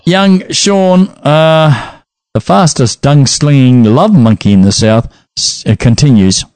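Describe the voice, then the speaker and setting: A man's voice: on the high side, slow pace, darkish tone, clean tone, no room sound. A man co-hosting a podcast, reading listener letters aloud in a playful, teasing way. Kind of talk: casual chat, reading aloud.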